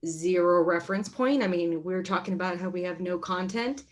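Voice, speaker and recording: A woman's voice: lowish voice, normal speed. A woman who works in theatre, telling anecdotes in a casual panel chat and acting out reactions as she goes. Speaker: actor and stage manager.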